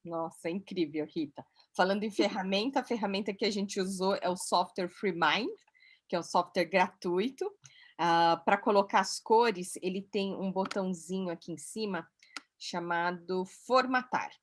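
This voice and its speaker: A woman instructor interviewing a student and walking through software steps in a clear, encouraging way. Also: medium pitch, normal speed. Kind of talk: explaining software while interviewing.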